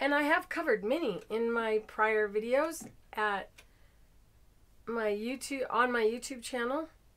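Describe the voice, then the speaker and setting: A woman's voice with ordinary pitch variation. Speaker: sewing tutorial host. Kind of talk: live tutorial chat. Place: home room.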